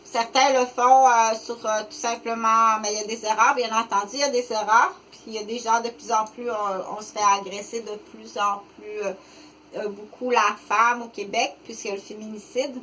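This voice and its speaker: Halting Québécois woman in her fifties. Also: fairly high pitch, steady tone, a bit bright, slight background noise, poor audio. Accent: Québécois French. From Quebec, Canada. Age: 50s. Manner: rambling, halting, many "euh" fillers and restarts. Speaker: vlogger. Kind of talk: unscripted monologue to camera.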